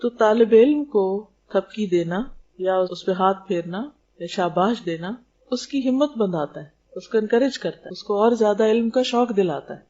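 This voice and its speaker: Mellow-voiced woman giving a religious lecture. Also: medium pitch, expressive, dull audio. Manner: explains terms, asks rhetorical questions. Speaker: Islamic teacher.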